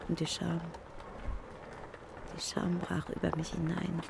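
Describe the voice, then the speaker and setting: A woman's voice: lowish voice, monotone, takes it slowly, creaky. A woman speaking an intimate first-person literary narration, addressing an absent person directly, outdoors on a city street. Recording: loud street and traffic noise.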